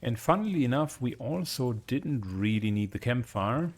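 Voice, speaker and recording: A man's voice: mid-range voice, expressive, moderate pace, a little mellow. A man giving casual let's play commentary, thinking aloud through each tactical decision as he goes. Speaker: gamer playing and commentating. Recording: clear background noise, game ambience. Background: video game ambience.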